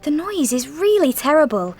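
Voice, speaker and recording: A woman's voice: high voice, sing-song, moderate pace, soft background music. A woman performing a scripted office dialogue for an English course, talking in a fretful, complaining way. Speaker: dialogue actor in course audio. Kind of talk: scripted role-play dialogue.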